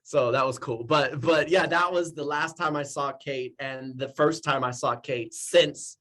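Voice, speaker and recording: A man in his forties, a guest actor in a casual interview, talking with eager, animated energy and frequent laughter. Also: medium pitch, measured pace. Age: 40s. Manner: excitable and animated, laughs often.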